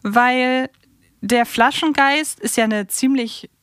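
A woman's voice: high voice, slow, fairly bright tone, clean tone, no echo, studio quality. A woman co-hosting a podcast in a casual, conversational discussion. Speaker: podcast co-host.

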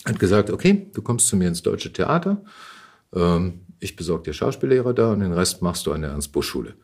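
A man in his fifties telling stories casually in an interview, thoughtful and halting as he searches for words. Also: low-pitched, big pitch swings, darkish tone, slightly rough. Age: 50s. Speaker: actor and podcast guest.

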